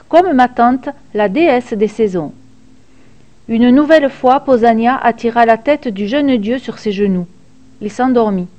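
A woman storyteller narrating a serialized children's myth in an expressive, dramatic reading. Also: on the high side, dull audio.

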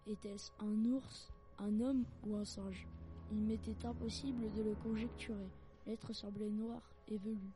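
A woman's voice: mid-range voice, fairly even intonation, unhurried, dark tone. Woman reading aloud over faint music. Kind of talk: reading a novel excerpt aloud.

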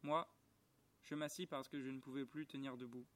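A man reading a storybook aloud in a calm, measured, quietly moved way, recorded outdoors at the bottom of a garden. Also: mid-range voice. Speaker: reader.

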